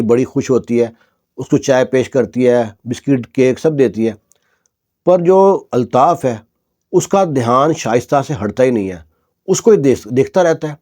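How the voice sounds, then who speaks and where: A man narrates a dramatic story in a relaxed, conversational way. His voice is mellow and dark, at an ordinary middle pitch, with frequent emphatic asides.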